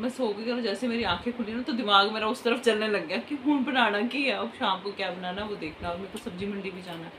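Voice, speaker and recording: A woman in her thirties with a sore throat, chatting casually at home in a family vlog. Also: medium pitch. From Punjab, India. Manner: chatty, scolding kids in bursts, quiet asides. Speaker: vlogger. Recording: ambient background noise.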